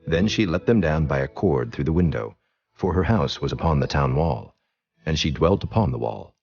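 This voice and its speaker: A man's voice: very deep voice, lively intonation, moderate pace, gravelly, a little mellow. A man narrating scripture as a scripted reading, solemn and formal. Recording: dull, muffled audio. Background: faint music.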